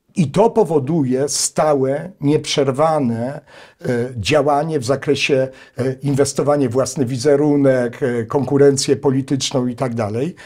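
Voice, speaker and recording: A man's fairly high voice carries a dark, mellow tone with ordinary pitch variation. He talks at a fairly slow pace against a quiet background. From Poland, Tarnów (Lesser Poland); Poland. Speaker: mayoral candidate; candidate. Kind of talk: interview. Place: studio. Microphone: lapel.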